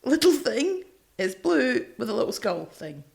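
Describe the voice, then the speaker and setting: A woman's voice: a little high, sing-song, unhurried, vocal fry, a little mellow. A Scottish woman co-hosting a podcast, talking through music informally in a chatty, teasing way. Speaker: podcast co-host. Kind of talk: casual music discussion, explaining from notes.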